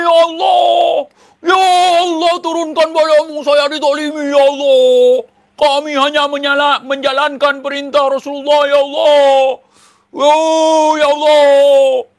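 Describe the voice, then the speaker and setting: A man putting on a sobbing male cleric who wails and shouts tearfully about being persecuted, as mockery. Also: very high-pitched, pitched above the performer's own voice, exaggerated voice. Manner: mocking, exaggerated tearful shouting.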